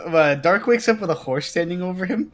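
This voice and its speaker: A man's voice: high-pitched, animated, brisk. A man chatting casually as a player in a tabletop roleplay game, often amused and giggly.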